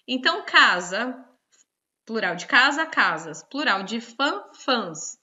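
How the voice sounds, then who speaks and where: A woman's voice: on the high side, sing-song, takes it slowly, pushed and bright, lo-fi sound. A woman teacher with a Brazilian Portuguese accent, explaining grammar rules in an online lesson and checking in with frequent tag questions.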